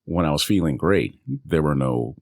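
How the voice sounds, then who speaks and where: A voice actor talking casually and loosely about auditions and coaching, with self-amused laughs. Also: male voice, very deep voice, normal speed, no room sound, studio quality. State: recovering from a cold. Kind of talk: casual solo vlog. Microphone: studio microphone.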